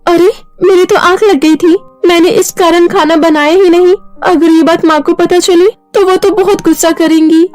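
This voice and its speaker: A kind, meek young girl from a cartoon story, voiced by a woman. She speaks gently in a high voice and pleads softly. Faint music plays behind her. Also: fairly even intonation, moderate pace, hardly any pauses. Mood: pleading. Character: kind, meek young stepdaughter, elder sister.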